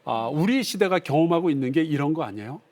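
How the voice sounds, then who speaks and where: Pastor guy teaching bible class, kinda high voice, reads verses then explains, chatty. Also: animated, fast, darkish tone, a little hiss or hum. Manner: reads scripture aloud, acts out drunk voices playfully.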